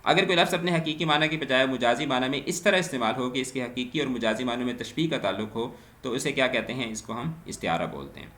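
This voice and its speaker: A man with a bright, forceful voice teaches an exam-prep grammar lesson. He poses each question, answers it himself and keeps checking that the class follows. The sound is roomy and echoey. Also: mid-range voice, lively intonation, few pauses. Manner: asks a question, then answers it, adding "theek hai?" and English terms. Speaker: Urdu teacher. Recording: echoey room.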